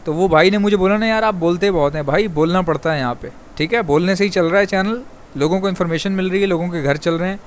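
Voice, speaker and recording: Fast-talking man from Pakistan. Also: sits high, slight background noise. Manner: rapid, chatty, addresses viewers as brother. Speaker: bird breeder vlogger. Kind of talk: fast casual monologue to viewers.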